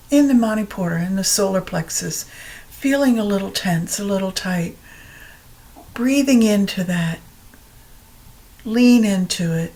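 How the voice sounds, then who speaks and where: A woman teaching yoga nidra, guiding a meditation in a calm, soothing, unhurried way with long pauses. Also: mid-range voice. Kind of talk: guided meditation narration.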